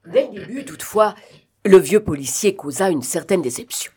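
A woman reads a novel aloud as an audiobook narrator. Her voice is fairly low, and her reading is steady, with occasional small fillers. She sounds like an amateur reader. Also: moderate pace, slightly rough.

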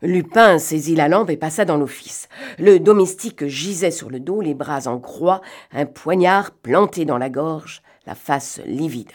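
Female reader, fairly low voice; dramatic, suspenseful audiobook narration. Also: measured pace. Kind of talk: dramatic literary reading.

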